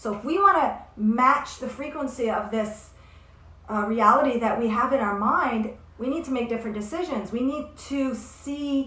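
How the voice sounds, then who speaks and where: Loud and animated, a woman speaks at a high pitch and a moderate pace with ordinary pitch variation amid audible room echo. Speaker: spiritual teacher. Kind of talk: casual chat.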